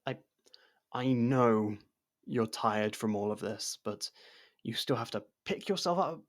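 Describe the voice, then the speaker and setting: A man acting a guarded, blunt convict who helps with an investigation, in a conversational ASMR roleplay with hesitant pauses. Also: mid-range voice, lively intonation, lightly acted. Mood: firm, frustrated. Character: jailed man helping an investigator, guarded, blunt, wryly supportive. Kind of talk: ASMR roleplay audio drama.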